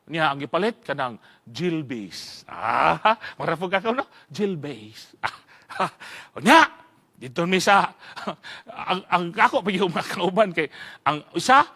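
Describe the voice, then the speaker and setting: A man from the Southern Philippines preaching a sermon, telling an animated story with frequent laughs. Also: fairly high pitch, takes it slowly.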